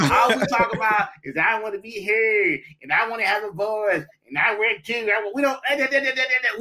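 A man in his fifties co-hosting a casual chat show, talking emphatically and repeating his points like a sermon. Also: sits high. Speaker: podcast co-host.

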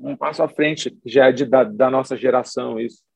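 A man's voice: mid-range voice, fairly quick, gravelly, rough recording. A man, a musician guest, talking casually in an interview, loose and rambling with lots of slang. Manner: relaxed, rambling, full of slang and restarts.

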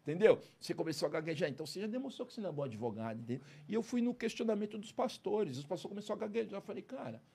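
A man's voice: sits high, sing-song, racing, vocal fry, few pauses, warm tone, breathy edge. A man, a former criminal, telling his story in a casual interview, emphatic and streetwise, constantly checking in with his listener. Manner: emphatic, streetwise, keeps adding "entendeu?" and "cara". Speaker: interview guest, former criminal turned prison speaker.

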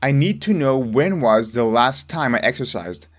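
A man whose first language is Hebrew, earnestly explaining his own exercise routine to the camera in a deliberate, emphatic way. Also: medium pitch, expressive. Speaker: longevity vlogger.

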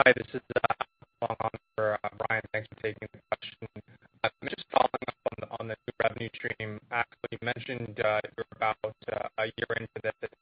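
A man asking an analyst's question on a conference call, heard over a phone line that keeps breaking up, speaking haltingly with fillers and restarts. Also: on the low side, completely flat delivery. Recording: dry, muffled phone-line sound.

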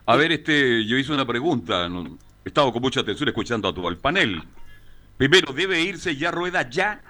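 A man's voice: medium pitch, sing-song, fairly quick, pushed and bright. A man on a football panel, asking probing questions. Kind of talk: sports talk debate.

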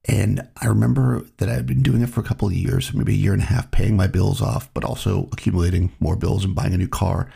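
A man hosting his own podcast, talking in a relaxed, reflective way while he has a cold. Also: low voice, quick pace, vocal fry, few pauses, husky. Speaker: podcast host. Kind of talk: solo podcast monologue.

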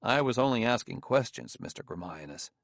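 A man acts out a guarded, curt Earthman for a science fiction audiobook. He is formal and cold, with a creaky edge at a middling male pitch. The sound is dry, with no room to it. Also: lively intonation, fairly quick, no echo. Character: stiff, guarded, curt Earthman, coolly impatient. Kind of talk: audiobook character dialogue.

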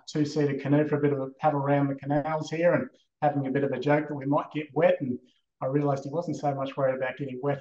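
A man co-hosting a podcast, telling a story in a relaxed, casual way. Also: mid-range voice. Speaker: podcast co-host. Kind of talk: casual chat. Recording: distant, roomy, dull call audio.

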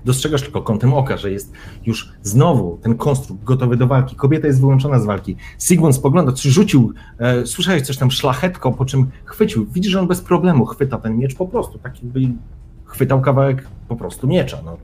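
A man's voice: mid-range voice, expressive, fairly quick, warm tone, a little hiss or hum. A man running a tabletop role-playing session as game master, narrating immersively in the second person with dramatic build-up.

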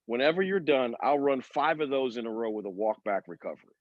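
A man's voice: medium pitch, animated, fairly quick, no echo, narrow, tinny audio. A man in a casual sports panel chat, telling stories and explaining his points emphatically with frequent check-ins to his listeners. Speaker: former sprinter and decathlete on a sports talk panel.

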